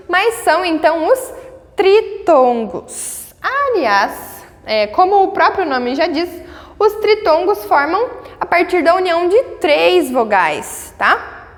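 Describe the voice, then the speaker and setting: High-voiced Brazilian teacher, reverberant room. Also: female voice. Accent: Brazilian Portuguese. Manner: patient, checks in often with tags; spells words out slowly syllable by syllable. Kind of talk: online grammar lesson.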